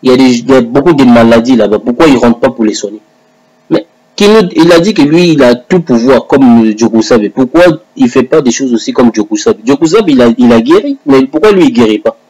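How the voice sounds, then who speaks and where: A man delivers a combative monologue in a husky, slightly breathy voice, needling his opponent directly. His talk is defiant and challenging, pitched at an ordinary middle register. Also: lively intonation, brisk, darkish tone, low-quality recording. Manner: taunting, combative, addresses his rival directly. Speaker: online religious commentator. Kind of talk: confrontational religious video monologue.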